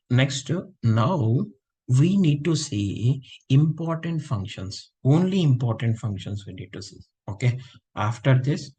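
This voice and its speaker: A man's voice: mid-range voice, mellow, breathy edge. A man teaching a live online class, feeling unwell and checking in with students often. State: unwell, low voice. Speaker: instructor.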